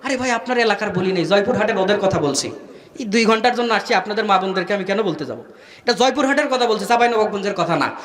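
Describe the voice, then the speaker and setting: A high-pitched male preacher delivers a waz sermon. He calls out to the gathering for answers and sometimes slips into singing. The sound comes from far off and carries a long, echoey loudspeaker reverb. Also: quick pace. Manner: calls on the crowd to answer, breaks into sung verses. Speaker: Islamic preacher. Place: tent gathering of a crowd.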